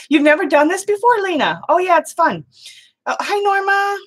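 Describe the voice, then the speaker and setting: A middle-aged woman hosting a live watercolor painting stream, chatting with viewers between steps in a loud, halting way full of fillers. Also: very high voice, lively intonation. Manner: loud voice by her own account, halting with fillers and restarts. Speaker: watercolor livestream host.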